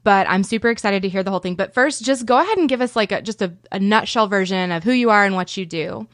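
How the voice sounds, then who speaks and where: A woman's voice: mid-range voice, fast talker, no room sound, studio quality. Upbeat chatty woman podcast host. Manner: upbeat, chatty, laughs easily. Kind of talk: casual interview chat.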